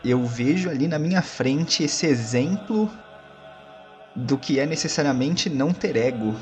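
A man narrates his role-play character in the first person. He is reflective and slow, at a medium pitch, pausing between short phrases over soft music. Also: lively intonation. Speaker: tabletop role-play player.

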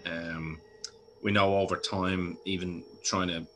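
Male podcast host, casual and sweary, low voice with a bright edge. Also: little pitch movement, takes it slowly, faint music behind, low-quality recording. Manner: chatty, swearing, laughs easily. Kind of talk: casual film chat.

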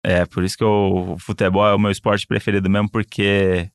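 Fast-talking young man. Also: on the low side, flat delivery, smooth, no echo, studio quality. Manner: jokey, rambling storyteller. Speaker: podcast co-host. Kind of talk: casual chat.

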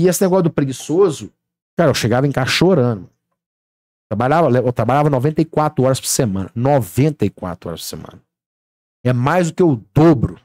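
Man, 30s, podcast guest, swooping pitch, acts out dialogue, dry close mic. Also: no room sound. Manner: animated storytelling, acts out dialogue. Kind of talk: casual podcast chat.

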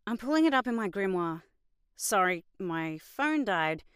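A woman's voice: medium pitch, sing-song, measured pace, fairly bright tone, clear, resonant tone, dry recording, clean studio sound. A woman playing a pessimistic young spellcaster in an audio drama, offhand and blunt. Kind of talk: naturalistic audio drama acting.

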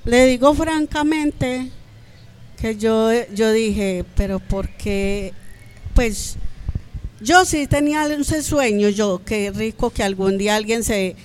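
Animated woman telling her story. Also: on the high side, slow, a little hiss or hum. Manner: animated, acts out quoted voices. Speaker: guest. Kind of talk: conversational storytelling.

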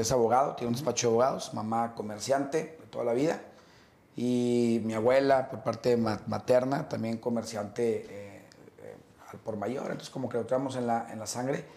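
A middle-aged man, telling stories as an interview guest in a relaxed, rambling way with many fillers and restarts. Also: medium pitch, reverberant. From Mexico. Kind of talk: casual interview conversation.

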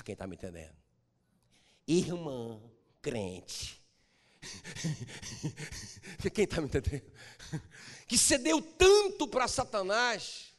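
A man preaching a sermon as pastor, emphatic, swinging between loud outbursts and low drawn-out lines. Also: long reverb tail.

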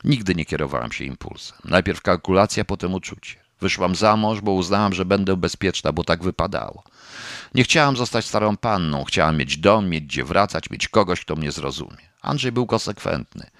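A man narrates a novel in the first person with a very low, steady voice. His delivery is measured and subdued. The recording is close and dry, with no room echo. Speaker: audiobook narrator.

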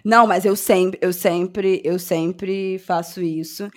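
A woman with a Brazilian Portuguese accent, co-hosting a podcast in casual chat, telling stories in an animated, self-mocking way. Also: fairly low pitch, slow. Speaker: podcast co-host.

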